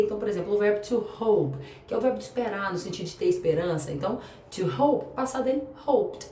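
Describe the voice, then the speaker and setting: A woman's voice: medium pitch, mellow. A woman with a Brazilian Portuguese accent teaching English grammar in a chatty way, spelling out letters and asking rhetorical questions. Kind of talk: explaining grammar to an online class. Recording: echoey room, voice a bit far from the mic, faint background hum.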